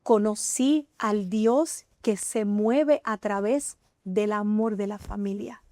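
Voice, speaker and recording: A woman guest on a Christian TV talk show, telling her testimony in an earnest, emotional way with many pauses and fillers. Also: mid-range voice, fairly even intonation, a little mellow, no echo, studio quality. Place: TV studio.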